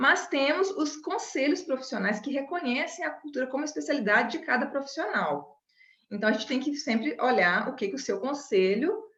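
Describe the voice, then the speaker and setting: A woman's voice swings very widely in pitch. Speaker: pharmacist, acupuncturist and lecturer. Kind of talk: lecture. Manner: fast.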